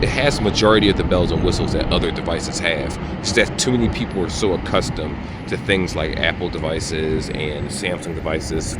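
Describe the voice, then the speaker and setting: A man speaking casually and conversationally as an opinionated tech reviewer, recorded on an earbud microphone outdoors. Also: deep voice. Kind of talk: casual phone review to camera. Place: outdoors near traffic. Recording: outdoor street traffic, music in background.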